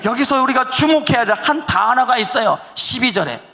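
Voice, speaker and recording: A man preaching a sermon as pastor, swinging between shouted peaks and hushed drops, and leading his congregation in call-and-response. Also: very high-pitched, animated, a little fast, gravelly, big-room sound. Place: church sanctuary.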